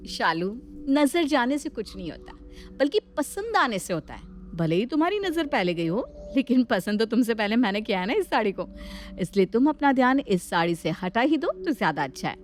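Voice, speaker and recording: Brief: woman playing a haughty elder daughter-in-law, snide and lively in pitch. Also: normal speed, a little hiss or hum. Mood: scornful. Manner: snide, self-righteous. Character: scheming elder daughter-in-law, proud and jealous.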